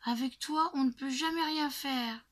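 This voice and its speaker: A woman voicing a sulky, tearful little girl with shrill, whiny outbursts. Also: unhurried, a bit bright. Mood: shouting.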